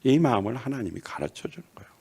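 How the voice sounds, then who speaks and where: A man's voice: medium pitch, sing-song, fast talker, creaky, dark tone, breathy edge. A middle-aged male pastor preaching a sermon, acting out quoted lines and asking questions of the congregation.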